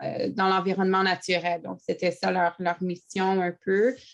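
A fairly slow pace against a quiet background. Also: woman. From Quebec, Eastern Townships. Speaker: summer camp director. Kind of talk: casual interview. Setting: at the camp.

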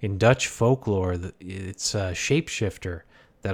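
A man with an ordinary speaking voice talks with ordinary pitch variation on a very clean recording with a silent background. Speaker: podcast host. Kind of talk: casual chat reading an article aloud, with dramatic horror narration of ghost stories. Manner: casual, chatty and self-deprecating; slow, ominous, suspenseful narration when telling the tales.

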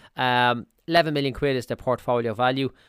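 A man speaks with a Dublin accent. The recording is very clean and dry, close-miked with no echo and a silent background. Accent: Dublin Irish. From Ireland, Dublin (Clondalkin). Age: 30s. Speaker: property investor and business coach, former bricklayer. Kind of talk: casual solo monologue.

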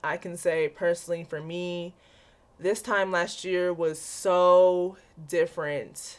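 The recording is very clean and its background silent. A woman talks very slowly. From Nigerian heritage. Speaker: solo podcast host. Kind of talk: casual monologue. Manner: animated.

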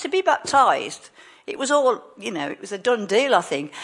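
In an English accent, a woman speaks at a fairly quick pace. Her pitch swings very widely. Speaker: church congregation member. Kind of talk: personal testimony. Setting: church.

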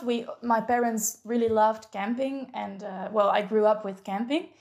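A woman with a Dutch accent. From Netherlands. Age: 20s. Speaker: traveler. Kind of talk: interview. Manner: halting.

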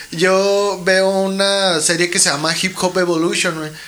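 A high-pitched man speaks very slowly with fairly even intonation. Audible room echo and noticeable background noise surround him. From Saucillo, Chihuahua, Mexico. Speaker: podcast co-host. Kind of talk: casual chat.

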